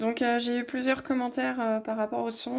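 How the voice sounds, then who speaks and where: This woman's voice sits fairly high in pitch. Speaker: budgeting YouTuber. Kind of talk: casual vlog tutorial. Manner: hesitant, many fillers; deliberately not loud.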